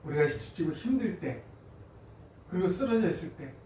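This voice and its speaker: A man delivers a sermon in a fairly high, mellow voice, pitch leaping and falling as he drives his points home and then softens. He is heard from some distance in a hall with heavy echo. A faint hiss sits underneath. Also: expressive, moderate pace. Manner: emphatic, swings between loud stresses and soft drops. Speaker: pastor. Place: church sanctuary. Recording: echoey church hall, voice from a distance, faint noise.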